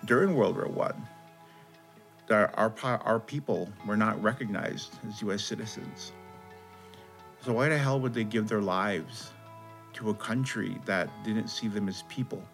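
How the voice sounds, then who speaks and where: A man's voice: lowish voice, measured pace, a bit bright, soft background music. A man giving an interview, speaking with passion and earnestness.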